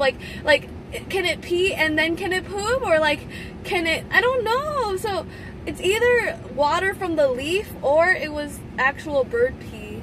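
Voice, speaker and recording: A woman speaks in a raised, projected voice at a fairly slow pace. The sound is dry with no echo, with noticeable background noise. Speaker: streamer. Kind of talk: casual stream chat. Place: car. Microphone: phone near.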